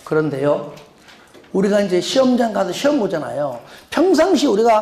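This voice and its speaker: Over noticeable background noise, a man speaks in an animated tone. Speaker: lecturer at a cram school. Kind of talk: lecture.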